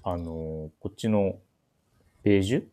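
Very low-pitched man, polite radio chat. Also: a little slow, warm tone. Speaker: host of a menswear shop radio show. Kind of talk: casual radio-style talk introducing clothes.

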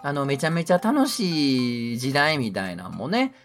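A middle-aged man with a Kansai accent hosts a casual radio-style talk show, reading listener mail over soft background music. He's animated and joking, often talking to himself, in a mid-range voice at normal speed.

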